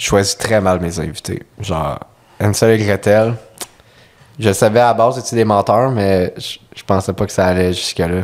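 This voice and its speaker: With a Quebec accent, a man speaks at a fairly slow pace in a fairly low pitch with fairly even intonation. His loudness swings widely, and there is noticeable background noise. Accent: Québécois French. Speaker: comedy podcast host. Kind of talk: comedic improv interview.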